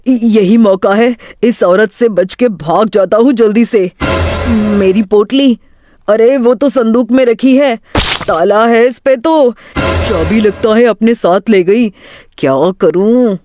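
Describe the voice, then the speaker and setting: A man's voice: high voice, slow, over music. A woman storyteller playing a naive, stubborn disabled village boy who talks in earnest, plain musings. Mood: anxious.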